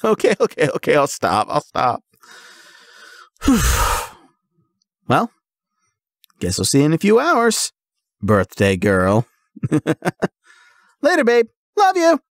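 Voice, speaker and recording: A man's voice: a little high, slow pace, long pauses, dry recording, studio quality, heavily acted. A man voicing an exuberant, affectionate young jock boyfriend in a playful, dramatic roleplay audio addressed to the listener. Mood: fond, teasing. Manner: excitable, playful, theatrically dramatic.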